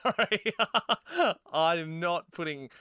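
A man's voice: high-pitched, expressive, slow pace, bright, forceful tone, clear, resonant tone. A man co-hosting a radio show, teasing and laughing through the banter. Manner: jokey, teasing, laughs a lot. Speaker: radio co-host. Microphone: studio mic.

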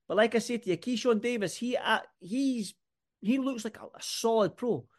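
A man's voice: extremely high pitch, normal speed. A man with a Scottish accent talking casually and ramblingly as a sports podcast host, repeating phrases for emphasis. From Scotland.

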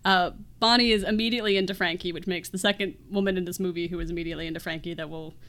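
A woman hosts a film podcast, casually chatting through a movie scene by scene in a rapid-fire, somewhat low voice with a fairly bright tone and fairly even intonation. She's giggly, laughing often as she talks.

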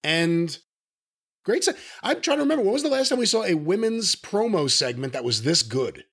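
A man co-hosting a podcast in casual chat, earnest and measured with a gently skeptical edge. His voice sits a bit high and moves in a lively way. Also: breathy edge. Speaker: podcast co-host.

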